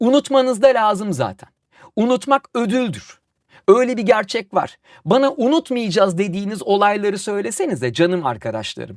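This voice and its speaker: A man with a high-pitched voice speaks at a moderate pace, his intonation lively and his tone animated. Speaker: voice actor and livestream host. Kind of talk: casual livestream talk. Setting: live stream. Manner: animated, rhetorical.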